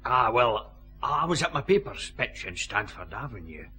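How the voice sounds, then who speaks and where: An actor playing a sly, easygoing jailed newspaper seller with a Scottish accent in a radio detective drama. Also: male voice, medium pitch, big pitch swings, normal speed, bright, forceful tone, slight background noise. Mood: wheedling. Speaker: small-time drunk informant.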